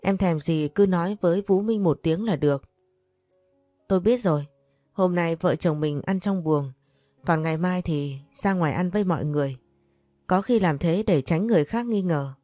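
Self-assured young husband, reassuring and dismissive of gossip, read by a woman, mellow low tone, storybook. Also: moderate pace, dry recording, faint music behind, close to an everyday voice. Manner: reassuring, offhand.

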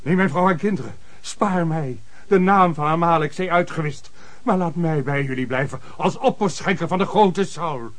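An actor playing a young captive enemy king in a radio play, loud and declamatory, both mocking and grovelling. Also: fairly high pitch, moderate pace, natural voice. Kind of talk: Dutch radio play acting.

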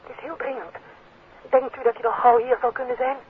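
Tense guarded caller, phone line, old dutch radio drama, tinny and a bit noisy. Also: female voice, sits high, level tone, brisk. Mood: urgent, guarded. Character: urgent, guarded female caller. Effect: telephone. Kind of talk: 1950s Dutch radio play acting.

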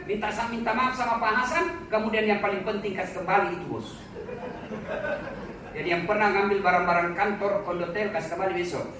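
A male preacher giving a humorous, animated sermon and addressing his listeners directly. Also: very high-pitched. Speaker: Islamic preacher. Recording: echoey hall, distant mic, faint noise.

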